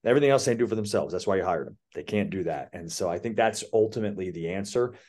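A male athletic director, a guest on an interview podcast, with a somewhat low voice. He explains his ideas fluently and with conviction, building point after point. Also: expressive, quick pace, darkish tone. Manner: confident, explanatory, speaks in flowing points. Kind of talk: casual interview answer.

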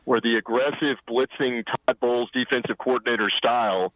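A man's voice: medium pitch, steady tone, normal speed, no echo. A man calling in to a sports radio show from a car at a drive-thru. He talks casually with dry humor and frequent fillers, heard over a phone line on speaker.

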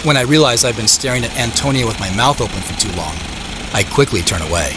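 Man playing an earnest, lively-pitched drama narrator. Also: fast, very noisy, natural voice. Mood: wondering, reflective. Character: earnest, searching male tech CEO, narrating his own story. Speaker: lead actor and narrator. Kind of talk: scripted first-person audio drama narration. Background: music bed.

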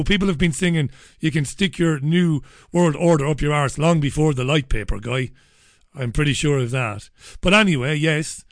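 A hoarse man hosts a talk radio show, sounding chesty as he loses his voice. He jokes and chats his way through listener messages, answering each one. His voice sits a little high for a man and is recorded dry and close. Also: dry recording. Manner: joking, chatty, reads messages aloud and answers them. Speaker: radio host.

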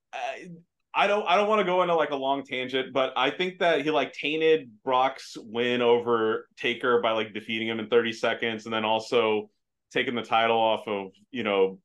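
American dude on a video call, ums and uhs everywhere, mid-pitched voice. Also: male voice, measured pace, a bit bright. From Afghanistan. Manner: hesitant, many fillers and restarts. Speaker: podcast guest. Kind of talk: casual chat.

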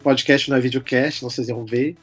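A man's voice: mid-range voice, steady tone, fast talker, husky, faint music behind. A man in his thirties with a São Paulo Brazilian accent, talking casually and playfully as a podcast guest. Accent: São Paulo Brazilian Portuguese. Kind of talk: casual conversational storytelling.

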